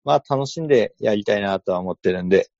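A man's voice: lowish voice, lively intonation, fast talker, darkish tone, lo-fi sound. A man from Iwate, Japan chatting as a podcast guest, hesitant and laughing often. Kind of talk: casual chat.

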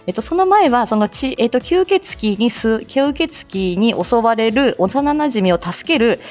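A woman's voice: a little high, animated, unhurried, darkish tone, soft background music. A woman hosting a live stream in a casual, chatty way, often laughing between phrases. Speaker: livestream host.

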